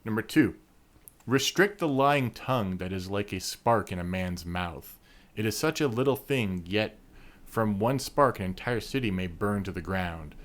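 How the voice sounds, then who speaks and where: A man's voice: fairly low pitch, animated, measured pace. A man co-hosting a podcast, teasing in casual chat and reading long lore passages aloud. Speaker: podcast co-host.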